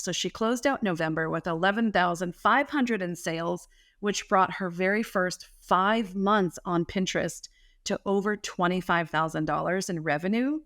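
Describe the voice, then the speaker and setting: A woman coaching and telling a client's story in a podcast interview, animated and emphatic, with casual slang. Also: on the low side, no echo, studio quality. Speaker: guest business coach.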